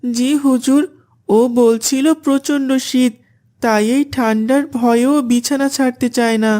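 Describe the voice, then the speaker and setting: A woman's voice: a little high, fairly even intonation, a little slow, warm tone, close to an everyday voice. A woman voicing a dutiful, devout young boy in a cartoon, polite and earnest.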